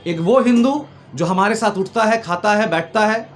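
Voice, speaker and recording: High-pitched man arguing emphatically. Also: normal speed. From Bengal, India. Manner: emphatic, repetitive, oratorical lists. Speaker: political commentator being interviewed. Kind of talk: impassioned political argument. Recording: noticeable background noise.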